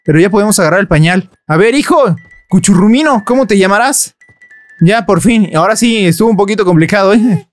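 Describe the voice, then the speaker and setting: A man giving playful, joking commentary while playing a game, breaking into squeaky exclamations. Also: expressive, brisk, faint music behind. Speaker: gaming youtuber. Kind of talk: let's play commentary.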